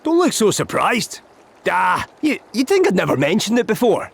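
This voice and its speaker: Cheeky scottish noble traveller in a video game, chummy, boastful, voice a bit high and all over the place. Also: male voice, wildly swooping pitch, moderate pace, creaky, breathy edge, full character voice. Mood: indignant, boastful. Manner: chummy, folksy, bluff. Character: breezy, boastful male traveller of noble birth.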